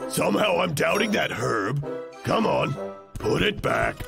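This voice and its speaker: Very gravelly big cartoon bear. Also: male voice, fairly high pitch, sing-song, measured pace, exaggerated voice. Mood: stern, doubtful. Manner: folksy, admonishing. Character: big sensible, stern older-brother bear. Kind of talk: animated cartoon dub. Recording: music behind the voice.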